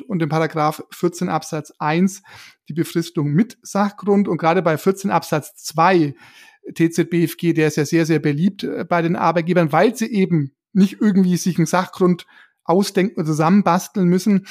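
A man from Germany with a high-pitched voice talks as a podcast co-host. He explains in a casual, colloquial way, acting out small everyday remarks to make his point. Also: a little mellow.

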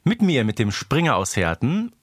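A man's voice: mid-range voice, huge pitch swings, normal speed, breathy edge, dry recording, clean studio sound. A man from Germany co-hosting a podcast, chatting in a casual, enthusiastic and emphatic way. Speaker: podcast co-host and moderator. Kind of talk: casual unscripted podcast chat. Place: podcast studio.

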